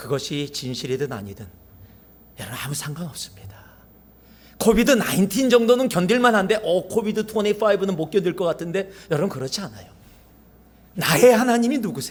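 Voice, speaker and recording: A high-pitched man speaks at a fairly quick pace with lively intonation, big swings in loudness, and long, frequent pauses. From South Korea. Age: 50s. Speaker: pastor. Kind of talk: sermon.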